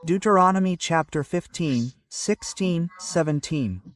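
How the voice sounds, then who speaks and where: Man, pastor, measured sermon delivery, slightly high voice, dry and a bit off-mic. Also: lively intonation, a bit bright, no echo, recorded from a distance. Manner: measured preaching with scripture citations.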